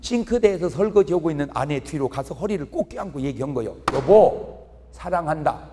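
A middle-aged male pastor delivers a comic revival sermon, his high voice swooping up and down as he tells stories and mimics people. The sound rings with long reverb through a large church hall. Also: fast talker, noisy background. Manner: animated storytelling, mimicking regional dialect speakers.

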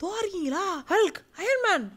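A woman narrating a comic game role-play in an animated, exclaiming way. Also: very high-pitched, normal speed. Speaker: gaming channel narrator.

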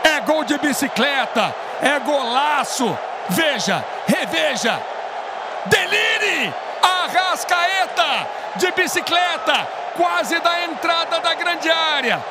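A man giving explosive football goal commentary, with drawn-out shouted calls and repeated phrases. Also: extremely high pitch, lively intonation. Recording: loud stadium crowd noise behind. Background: roaring football stadium crowd.

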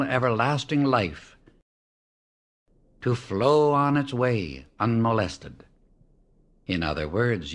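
Slow, solemn male audiobook reader. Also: mid-range voice. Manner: measured, reverent, with long pauses. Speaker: audiobook narrator. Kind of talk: slow, solemn reading of devotional text.

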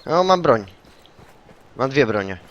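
A man streaming a shooter game, chatting casually with a teammate, swearing and yelling taunts when he scores kills. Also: medium pitch, slow pace, lo-fi sound. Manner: excitable, swears, yells taunts in English on kills. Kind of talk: casual gaming chat with a teammate.

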